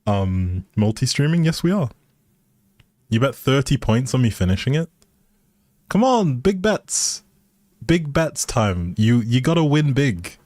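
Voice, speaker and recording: A man's voice: medium pitch, big pitch swings, measured pace, long pauses, darkish tone, no echo, clean studio sound. A man livestreaming a game with casual, playful, teasing chat to his viewers.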